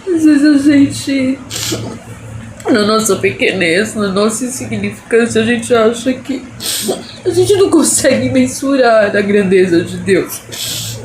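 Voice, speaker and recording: A woman talks slowly in a tearful devotional vlog, her high voice breaking into laughter and tears as she repeats her words. The room around her is roomy and echoing. A faint hum of background noise sits under her voice. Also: animated, darkish tone. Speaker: artist sharing her faith.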